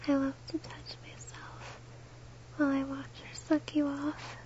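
A woman whispers throughout in a soft, breathy, unhurried hush. Her pitch sits high and barely moves, and the recording sounds a little muffled and lo-fi. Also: monotone. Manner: slow, breathy, close whisper. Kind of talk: whispered intimate erotic audio.

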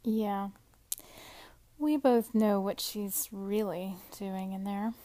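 Woman, intimate roleplay, teasing, frequent whispers, extremely slow delivery, close mic, dry room. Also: medium pitch, fairly even intonation, mellow, no echo.

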